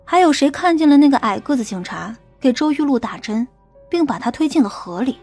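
A woman playing a stern, sharp-tongued female police captain in an audiobook, questioning a suspect in a cold, accusing manner. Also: high-pitched, expressive, a little fast. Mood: stern, official. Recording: faint music bed under the voice.

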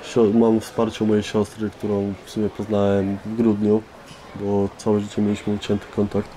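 Young man, monotone and relaxed, informal, candid testimony. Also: on the low side, moderate pace, rough recording. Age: teenager or young adult. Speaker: resident of a youth care centre. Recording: faint background noise.

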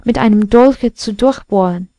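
Woman playing a vain, self-important old candlestick storyteller, storybook, slow telling. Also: fairly high pitch, mellow, no room sound. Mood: proud. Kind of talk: storybook reading.

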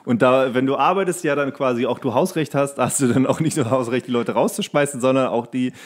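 A man's voice: mid-range voice, a little fast. Casual, joking man chatting. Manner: colloquial, joking, acts out quotes. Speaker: podcast co-host. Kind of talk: casual chat, bar anecdotes.

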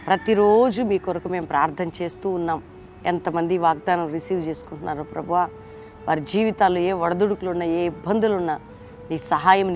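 A woman leading a morning devotional, preaching and praying in an earnest, pleading way with repeated phrases. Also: lowish voice. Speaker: devotion leader. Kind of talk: morning devotional sermon and prayer.

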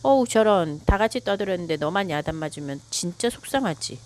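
A woman's voice: lowish voice, lively intonation, brisk, darkish tone, lightly acted. A woman playing a mother talking to her child. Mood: consoling. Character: scolding mother, then gentle and consoling.

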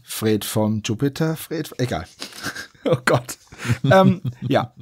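A male podcast host talks in a relaxed, conversational way. His voice is rather husky and mid-pitched, and the sound is dry with hardly any room to it. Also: slow, dry recording. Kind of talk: casual podcast chat.

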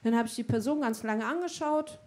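A young woman working a live comedy crowd with a high, bright voice. She is brash and unfiltered and keeps laughing at her own jokes. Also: fairly quick. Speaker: stand-up comedian. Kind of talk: stand-up comedy set. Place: comedy club stage with live audience.

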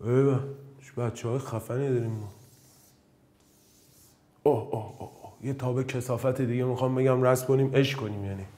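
A man from Iran teaching an exam-prep math lesson, joking and swinging between loud bursts and low muttering. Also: fairly even intonation, pauses often.

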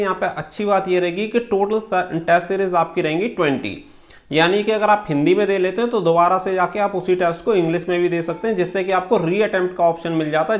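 Male exam coach, thirties, high-pitched voice, instructional delivery with English words mixed in. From India. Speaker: exam-prep coach and channel host. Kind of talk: explanatory talk to camera for exam candidates. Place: small room indoors.

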